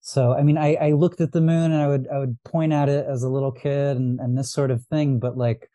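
A man's voice: medium pitch, flat delivery, fairly quick, dark tone, dry recording. A man from Los Angeles, a guest on an astrology podcast, talking in a casual, reflective way with many restarts. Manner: reflective, rambling, frequent restarts and fillers. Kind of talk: casual conversational interview.

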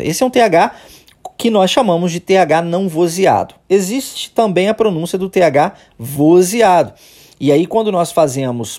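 A Brazilian man hosting an English-lesson podcast, explaining step by step, often checking in with "tá?" and slowly demonstrating sounds. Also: high voice, a little mellow. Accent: Brazilian Portuguese. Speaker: English teacher, podcast host.

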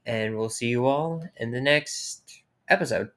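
A woman co-hosting a casual home podcast, reading out statistics haltingly with many fillers and swearing casually, her voice a bit worn. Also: rumbling low, fairly bright tone. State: losing her voice. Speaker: podcast co-host. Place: home, cats moving around.

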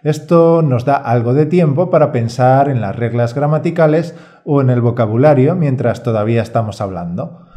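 A man presenting a Spanish course as a teacher and podcast co-host, calm and reassuring in a scripted delivery. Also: medium pitch, normal speed.

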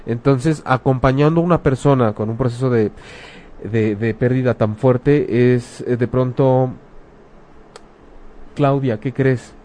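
A man's voice: mid-range voice, steady tone, unhurried, mellow. Frank Mexican man, casual talk. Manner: colloquial, frank, uses rhetorical questions and slang. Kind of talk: casual talk about grief.

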